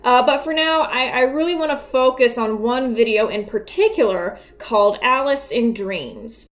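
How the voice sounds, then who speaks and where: A woman's voice: a little high, expressive, normal speed. A woman in her twenties giving casual, wry and sardonic video commentary, with some casual swearing. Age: 20s. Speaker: YouTube video essayist. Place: small indoor room before a green screen. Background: background music.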